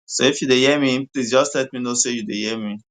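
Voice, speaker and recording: A man's voice: mid-range voice, fast talker, a bit bright. West African man explaining in Pidgin. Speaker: medical doctor answering questions. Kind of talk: explanatory health question-and-answer in Pidgin English mixed with English.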